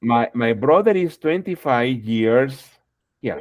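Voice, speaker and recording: A man's voice: medium pitch, expressive, slow pace, narrow, tinny audio, a loud crowd. A middle-aged man teaching English online, correcting students patiently and repeating "okay" through a headset. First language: Spanish. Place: home room, indoors.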